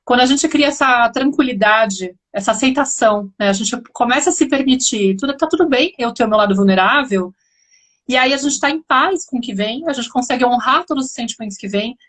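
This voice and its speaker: A woman's voice: on the high side, fairly quick, fairly bright tone. A woman host, talking reflectively in a live conversation and often tagging her sentences with questions. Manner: reflective, explaining, frequent "né" tags.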